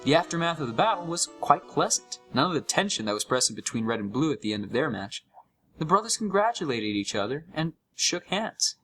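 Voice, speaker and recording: A man giving an expressive, scripted first-person narration of a horror story. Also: fairly high pitch, a little fast, soft background music, poor audio.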